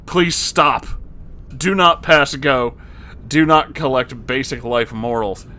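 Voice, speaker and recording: A man reading a story aloud as host and reacting to it, with an expressive, exasperated and sarcastic manner. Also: medium pitch, slow pace. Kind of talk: story narration with reaction commentary.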